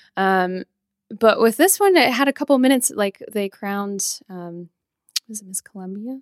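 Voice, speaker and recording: A woman speaks with a normal speaking voice and an American accent, fairly high in pitch with ordinary pitch variation. The sound is dry and close, with no echo. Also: moderate pace, big swings in loudness. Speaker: singer and theater actress. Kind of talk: casual interview.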